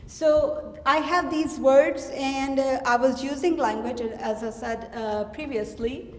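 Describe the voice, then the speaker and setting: A middle-aged woman from Pakistan with a Pakistani accent, an artist giving a reflective, halting gallery talk about her work. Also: sits high. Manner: reflective, halting with frequent fillers. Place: gallery hall. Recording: echoey gallery hall.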